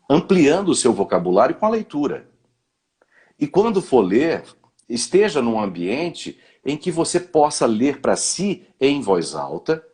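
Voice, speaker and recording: Slightly rough and darkish in tone, a medium-pitched male voice coaches on public speaking as a guest on a live online talk. He's didactic, issuing brief commands and tagging many of them with "né?".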